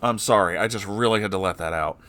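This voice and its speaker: A man with a fairly low voice reads a long personal story aloud to his channel. Between passages he breaks off into blunt, swearing asides and sighs before picking the reading back up. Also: fast talker, a bit bright, dry recording.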